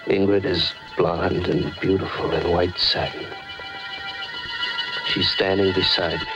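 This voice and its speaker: An actor playing a haunted, intense killer obsessed with blades in an old-time radio horror drama, brooding and halting. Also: male voice, low voice, level tone. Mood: dreamy, brooding. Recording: dull old radio broadcast recording. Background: loud dramatic music.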